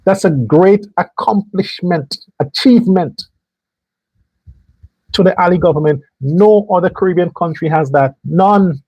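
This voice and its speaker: A man's voice: sits high, measured pace, darkish tone, slightly rough, no room sound, poor audio. A man hosting a political commentary show, delivering an emphatic monologue straight to his viewers. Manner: emphatic, talks straight to viewers, mock voices for others.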